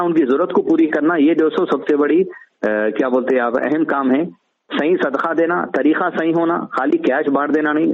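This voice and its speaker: A man with a Hyderabadi accent talking casually and giving his opinions on a phone call, explaining his points in repeated lists. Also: a little high. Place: on a phone line. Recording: tinny narrowband phone call recording.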